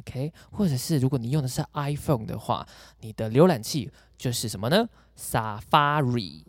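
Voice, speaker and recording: A man explains sounds in a casual chat, patient but teasing. His pitch is middling yet moves freely, with a dry, close sound. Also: lively intonation, normal speed, dry recording. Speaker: podcast co-host explaining pronunciation.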